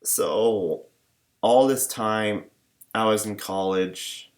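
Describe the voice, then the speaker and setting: A young man rambling in a personal vlog, talking in a flat monotone with many fillers and false starts. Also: lowish voice, very slow. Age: young adult. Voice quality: limited, flat range. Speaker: vlogger.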